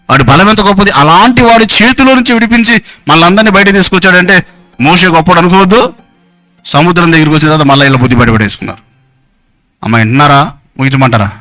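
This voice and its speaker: A man's voice: high voice, bright, forceful tone. A man preaching a Sunday sermon in an emphatic, repetitive way, often putting questions to the congregation.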